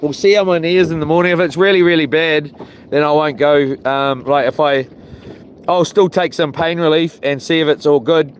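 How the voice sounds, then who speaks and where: A fishing livestream is hosted from a small boat by a man with a broad New Zealand accent who rambles along in a casual, chatty way. He speaks at normal speed with a fairly high pitch and fairly even intonation, against clear outdoor sounds of the boat and water.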